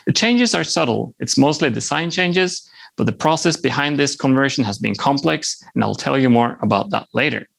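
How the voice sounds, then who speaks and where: A man in his thirties from Norway gives a conference presentation in a relaxed, friendly way and drops in small jokes. His voice is gravelly with some fry. His first language is Norwegian. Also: mid-range voice, normal speed. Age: 30s. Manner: friendly, lightly humorous, occasional restarts. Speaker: software developer presenting.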